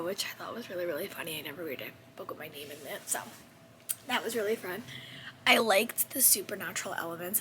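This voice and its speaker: A woman in her thirties with a sore, hoarse voice, half-whispering through a chatty book wrap-up vlog. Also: mid-range voice, noisy background. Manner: chatty, rambling with self-corrections. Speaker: book vlogger. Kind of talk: casual book wrap-up chat.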